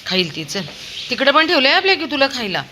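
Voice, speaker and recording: A woman's voice: high-pitched, big pitch swings, fast, pushed and bright, a little hiss or hum. A woman chatting casually while walking a dog outdoors on a sunny street, calling out in a coaxing, sing-song way to a toddler and the dogs. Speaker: dog owner vlogger.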